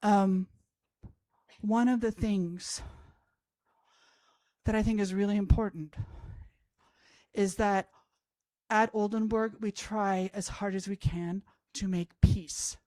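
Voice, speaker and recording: A woman's voice: mid-range voice, fairly even intonation, slow, pauses often, warm tone, dry recording. A woman in her fifties from Austria, a language professor telling a humorous personal story on stage to an audience, wry and self-mocking. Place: college event stage before an audience.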